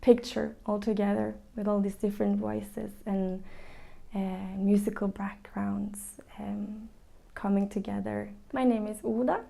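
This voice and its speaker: A young Norwegian woman from the far north, a musician speaking with a Norwegian accent, answering interview questions thoughtfully and often pausing with ums to find her words. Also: mid-range voice, flat delivery, gravelly, mellow. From northern Norway. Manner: thoughtful, searching for words with many ums and restarts.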